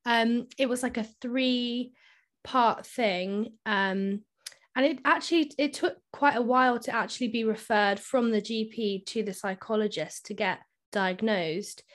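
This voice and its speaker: A woman's voice: fairly high pitch, a little slow, fairly bright tone. Friendly woman podcast host. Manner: friendly, asks long questions with fillers. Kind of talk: podcast interview.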